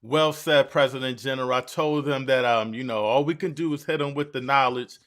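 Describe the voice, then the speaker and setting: A man's voice: medium pitch, fairly even intonation, fairly quick, a bit bright. An older man hosting a podcast, talking loosely with many fillers and restarts. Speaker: podcast host. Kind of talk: casual interview talk.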